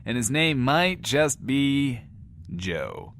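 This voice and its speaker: Male radio host: theatrical, playful, mock-indignant, very lively pitch, audio drama patter over background noise. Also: extremely slow, vocal fry, heavily acted. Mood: mock indignation, teasing. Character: cheeky theatrical post-apocalyptic radio show host, adult man.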